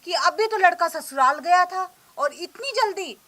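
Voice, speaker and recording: A woman's voice: very high-pitched, lively intonation, a little slow, sharp tone, heavily acted. A woman playing a bossy, domineering young wife in a comedy skit, scolding and ordering her husband about. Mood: coaxing. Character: bossy young wife, later a sharp mother-in-law.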